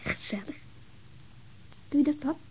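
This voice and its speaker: An actress playing a gentle, independent eighteen-year-old daughter with a Netherlands Dutch accent in a radio drama, affectionate, frank and coaxing, with faint hiss. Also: female voice, unhurried, in a whisper, lightly acted.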